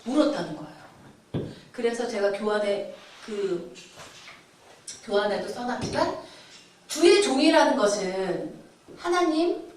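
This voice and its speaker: A woman's voice: a little high, lively intonation, takes it slowly, pauses often. A woman teaching a Bible study lecture, acting out the laments she quotes with sighs. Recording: very echoey room, mic far off.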